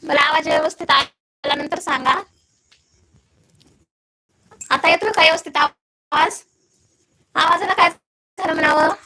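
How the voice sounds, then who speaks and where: Bright high-voiced Marathi woman live-streaming. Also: steady tone, moderate pace, low-quality recording. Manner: chatty, keeps checking her audio with viewers. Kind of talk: casual live chat with viewers. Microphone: phone.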